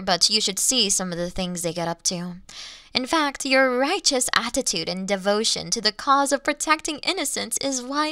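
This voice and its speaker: A woman playing an ancient, elegant monster in a Victorian fantasy audio drama, teasing her hunter in archaic, formal phrases with lingering pauses. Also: medium pitch, sharp tone, no room sound, clean studio sound. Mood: sardonic. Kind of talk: slow theatrical roleplay monologue in Victorian fantasy audio drama.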